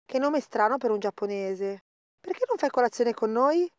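Woman as a highish-voiced caring big sister. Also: expressive, normal speed, dry recording, clean studio sound, natural voice. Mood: hospitable. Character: caring, practical older sister, young woman. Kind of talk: cartoon fandub acting.

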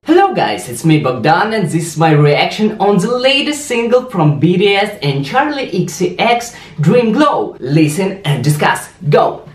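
A young man with a Ukrainian accent, native in Russian and Ukrainian, hosting a lively music reaction vlog to camera in a small room. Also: sits high, a little slow, few pauses. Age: young adult. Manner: exuberant, exclamatory, gesturing a lot. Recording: roomy echo, faint music behind.

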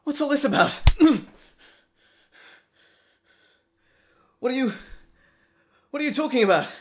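A man's voice: extremely high pitch, expressive, fairly quick, noisy background. A man playing an earnest, nervous scientist and professor in an audio drama, with hesitant, stammering, wordy and formal speech. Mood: frightened, urgent. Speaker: voice actor. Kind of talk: dramatic roleplay audio acting.

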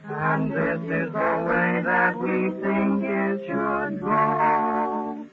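A man's voice: high-pitched, completely flat delivery, very slow, loud music behind the voice. A man singing a 1930s novelty jazz song on old radio. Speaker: singer. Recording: tinny, narrow 1930s radio recording.

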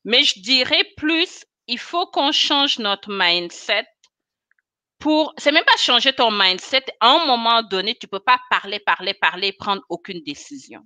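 A woman in her thirties talks animatedly over a video call, a bright, forceful voice with frequent laughs. The sound is dry and close, with no room echo. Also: a little high. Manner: animated, expressive, laughs often. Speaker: guest, chemist and cosmetics consultant. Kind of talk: casual video-call interview. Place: small room indoors. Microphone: webcam on a video call.

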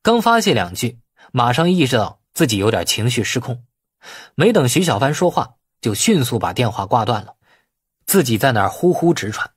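A man narrating a novel as an audiobook in an expressive, dramatic storytelling manner. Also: medium pitch, moderate pace, slightly rough, no room sound, clean studio sound.

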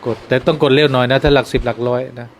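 A Buddhist monk gives an informal dharma talk in a mid-pitched male voice. He explains things patiently, and his advice comes out soft and earnest. A faint hum of noise sits behind him. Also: fairly even intonation, rapid-fire.

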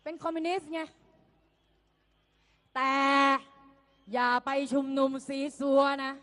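A young woman, a student, giving an impassioned rally speech, often shouting and mocking her opponents while she rouses the crowd. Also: sits high, steady tone, takes it slowly. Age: young adult. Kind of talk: fiery political rally speech.

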